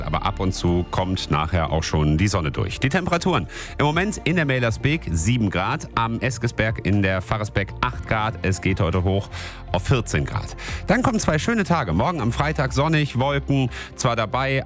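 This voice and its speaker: A man's voice: on the low side, lively intonation, normal speed, faint music behind. A man hosting a morning radio show, chatty and upbeat, giving weather and traffic. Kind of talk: casual radio presenting. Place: radio studio. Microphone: studio microphone.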